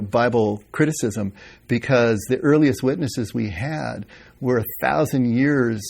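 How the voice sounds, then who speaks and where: A man's voice: mid-range voice, gravelly, a little mellow. A man teaching Bible history in an informal lecture, answering questions and thinking aloud with fillers and restarts.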